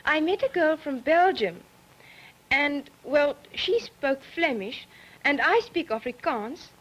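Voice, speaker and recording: Teen woman, South African accent, high and earnest. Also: lively intonation, slow, fairly bright tone, rough recording. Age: late teens. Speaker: student panelist.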